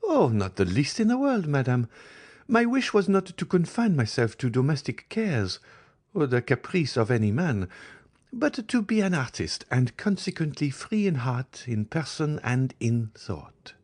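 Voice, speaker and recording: A defiant, outspoken young woman, put on by a male narrator, firm and blunt in every phrase. The pitch sits far above his own and leaps about widely. Read aloud from a classic novel. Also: sing-song, unhurried, a little mellow. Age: young adult. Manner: firm, candid, emphatic.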